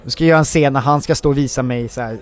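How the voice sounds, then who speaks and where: Rambling man telling set stories. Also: medium pitch. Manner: rambling, many filler words, animated retelling. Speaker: actor guest. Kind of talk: casual interview storytelling.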